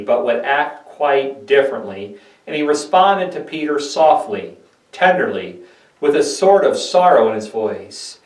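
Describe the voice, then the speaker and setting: A man giving a solemn, deliberate scripted dramatic narration of scripture, like a pastor reading. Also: mid-range voice. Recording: echoey room, distant microphone.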